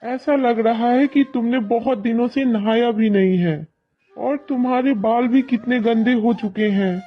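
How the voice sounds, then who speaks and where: Guy voicing a stuck-up rich girl, high voice, sneery and slow, muffled audio. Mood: sneering. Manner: mocking, boastful. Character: spoiled arrogant rich young girl. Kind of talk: animated storybook narration. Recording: dull lo-fi audio, faint music.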